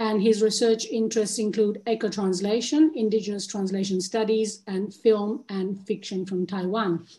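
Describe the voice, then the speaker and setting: Against a quiet background, a woman speaks at moderate pace and medium pitch with a dark, mellow, somewhat breathy tone, fairly even intonation and hardly any pauses. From Sardinia, Italy. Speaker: lecturer and webinar chair; lecturer. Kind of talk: webinar moderation and Q&A. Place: office. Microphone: video call.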